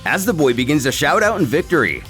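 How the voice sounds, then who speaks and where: A man giving a scripted story recap as a narrator, in a dramatic, animated storytelling manner. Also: on the high side, quick pace, music in the background. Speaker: narrator of a fan comic recap series.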